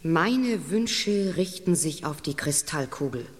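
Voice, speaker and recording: A woman's voice: low voice, lively intonation, slow. An actress playing a grave, vengeful woman in an occult circle, with theatrical, incantatory delivery in a radio play. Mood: grave, intent. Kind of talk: German audio drama acting. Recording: reverberant hall, music underneath.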